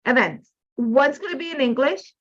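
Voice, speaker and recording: A woman with an Ecuadorian Spanish accent chats her way through a live crafting stream from home, her voice sitting a little on the high side. Her talk wanders, packed with "like, you know" fillers. The sound is a bit muffled and dull, like a home live stream. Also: moderate pace, a bit bright. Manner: rambling and chatty, full of "like, you know" fillers. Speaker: design team member hosting a live crafting demo. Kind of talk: casual live-stream chat.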